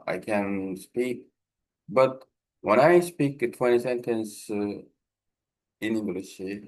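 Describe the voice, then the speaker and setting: A man with a Korean accent, a native Korean speaker, explains a language practice project informally in halting, non-fluent English, often searching for words. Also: lowish voice, a little mellow, rough recording.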